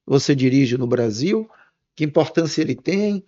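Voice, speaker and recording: A man's voice: medium pitch, lively intonation, moderate pace, dark tone, highs cut off. A man hosting an interview, asking long, winding, appreciative questions with frequent fillers. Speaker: interview host.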